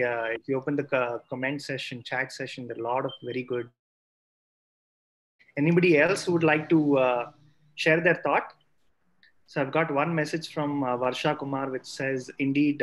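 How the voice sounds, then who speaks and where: A man moderating an online question session in a polite, hesitant manner. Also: mid-range voice. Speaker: webinar moderator.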